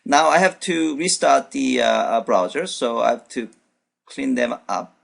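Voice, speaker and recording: A man whose first language is Korean talks through a programming demo at his computer, thinking aloud and filling pauses with uh and you know. His voice sits at a middle pitch and carries a heavy gravelly fry through most phrases. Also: animated, a bit bright. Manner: thinks aloud with many fillers and restarts. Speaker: programming instructor. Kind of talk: unscripted screencast walkthrough. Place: at his computer, voice-over on screen recording.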